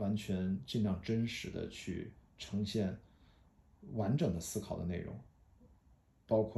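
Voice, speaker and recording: A man talks in a fairly low, somewhat breathy voice with a dark, mellow tone and fairly even intonation. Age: 40s. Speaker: podcaster and film lecturer. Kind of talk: personal monologue. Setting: solo recording, evening. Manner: casual with frequent filler sounds.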